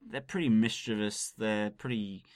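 A man's voice: fairly low pitch, steady tone, moderate pace, dry recording, studio quality. A man from England co-hosting a podcast, explaining things at length and laughing at himself. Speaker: podcast co-host. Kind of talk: casual podcast chat.

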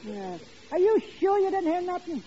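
An actor playing an officious working-class lodge brother in an old-time radio sitcom, with pompous, ungrammatical phrasing. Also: male voice, very high voice, big pitch swings, normal speed, warm tone. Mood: officious, wry. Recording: dull vintage radio recording, faint noise, audience.

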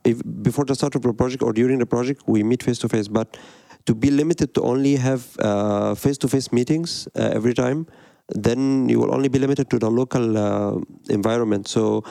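A man from Egypt in his thirties talks through interview answers with a gravelly, fry-edged voice and a dark, mellow tone. He speaks hesitantly, full of fillers and restarts, and the recording is dry and close. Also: mid-range voice, dry recording. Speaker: guest, design studio director.

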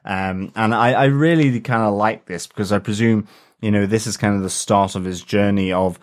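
A man with a fairly low voice co-hosts a laid-back TV-review podcast. He muses in a relaxed way, often pausing on ums and uhs as he gathers his thoughts. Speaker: podcast co-host. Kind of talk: casual chat reviewing a TV episode.

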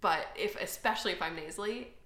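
A woman's voice: fairly low pitch, fast talker, a bit bright, roomy sound. A woman with a nasal Minnesotan American accent, chatting wryly on a podcast. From Minnesota, United States. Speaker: podcast co-host. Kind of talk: casual chat.

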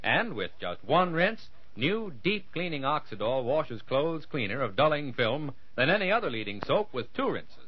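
An American man speaks as an old radio announcer, swinging his pitch with polished sales emphasis. The recording is a muffled vintage broadcast with little room sound. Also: very animated, moderate pace, hardly any pauses, breathy edge, no room sound. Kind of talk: old-time radio announcer reading sponsor copy and serial outro.

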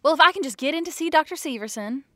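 A woman's voice: high-pitched, expressive, very fast, bright, forceful tone, dry recording, studio quality, pitched above the performer's own voice. Woman putting on a sugary fake phone voice. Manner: over-sweet, sing-song phone voice. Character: fake-polite woman posing as an estate agent.

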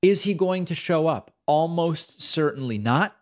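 A man's voice: on the high side, lively intonation, a little slow, a little mellow. Exasperated, sarcastic male political talk host. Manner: sarcastic, exasperated, reads quotes aloud with emphasis. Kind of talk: opinionated political commentary.

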